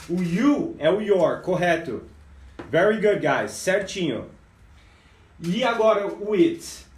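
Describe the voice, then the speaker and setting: A Brazilian man with a Brazilian Portuguese accent, teaching an English lesson on a live stream. He talks in a lively way and keeps calling his viewers "guys". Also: sits high, distant mic. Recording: echoey room, voice a bit off-mic.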